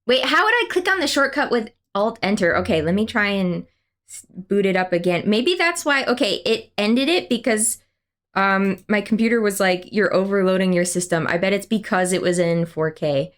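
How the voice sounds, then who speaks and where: A woman's voice: mid-range voice, expressive, normal speed, fairly bright tone. A young woman chatting casually on a game stream, rambling through a story and reading chat aloud. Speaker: livestreamer.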